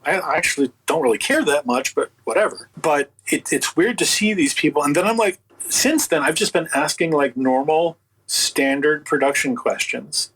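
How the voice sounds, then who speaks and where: Husky, higher-voiced man, incredulous storyteller. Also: normal speed, rough recording. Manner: animated retelling with acted-out quotes, incredulous and sardonic. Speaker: interview guest, audio book producer. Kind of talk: casual conversational storytelling.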